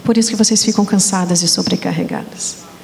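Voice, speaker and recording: A young Brazilian woman hosting a Christian women's talk show on a church stage, telling lively stories and speaking straight to the audience. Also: medium pitch, a little fast, vocal fry. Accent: Brazilian Portuguese. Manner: animated storytelling, addresses audience as "gente".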